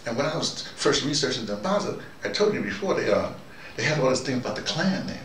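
A middle-aged American man giving a rambling, casual monologue to camera, halting and repeating words as he digresses. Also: mid-range voice, sing-song, a bit bright. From North America. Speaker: host of a personal video dispatch. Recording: echoey room, distant mic, noisy background.

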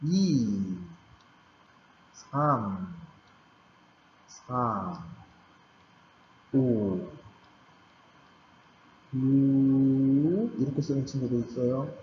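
A man teaching a Korean language class to beginners, patiently repeating key points with emphasis. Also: mid-range voice. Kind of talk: recorded grammar lecture for beginners. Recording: roomy, slightly dull recording with faint background hum.

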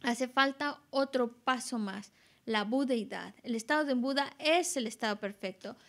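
A woman explaining Buddhist teachings as an interpreter, in a measured way with many restarts. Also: fairly high pitch, a bit bright.

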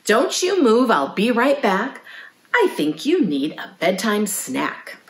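A woman's voice: medium pitch, wildly swooping pitch, slow, roomy sound, voice pushed up, exaggerated voice. A woman voicing an eager, boastful, helpful lady pig in bouncy rhyme from a children's picture book. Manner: bouncy, rhyming.

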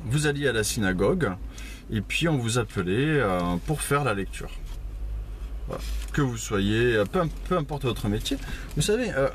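A man's voice: medium pitch, lively intonation, moderate pace, slight background noise. Casual man teaching scripture, full of fillers. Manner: conversational, many fillers and asides. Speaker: preacher. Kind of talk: informal Bible teaching. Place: house church.

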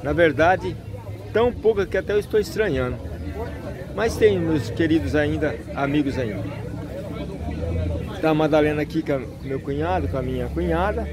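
An older man chats to his camera at a busy outdoor street market. His voice sits high for a man, and he rambles in a cheery way, laughing now and then. A market crowd is clearly heard behind him. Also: normal speed, long pauses. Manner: cheerful, chatty, laughs often. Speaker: vlogger. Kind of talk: casual vlog to camera.

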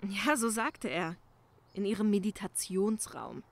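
A woman's voice: medium pitch, lively intonation, unhurried. A woman playing an anxious young crime-scene cleaner in a crime audio drama, speaking hesitantly and urgently, pleading. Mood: uneasy. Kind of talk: German crime audio drama acting, conversational.

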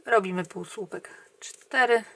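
Slow, calm woman counting crochet stitches. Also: mid-range voice, vocal fry. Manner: calm, counting stitches aloud, often trailing off quietly. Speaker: crochet tutorial host. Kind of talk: step-by-step crochet instruction.

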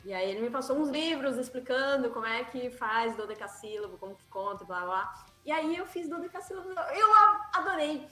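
Woman author, high voice, eager explainer, roomy echo on the mic. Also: brisk, hardly any pauses, bright, forceful tone, faint music behind. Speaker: guest writer. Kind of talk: casual panel chat on a live stream.

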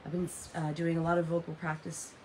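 A woman in her thirties with a raspy voice, chatting casually and dramatically to live stream viewers, repeating phrases for emphasis. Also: deep voice, flat delivery, brisk, a little mellow. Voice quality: raspy from heavy singing. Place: open porch of a house and its garden, outdoors. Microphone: phone at arm's length. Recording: noisy outdoor phone recording.

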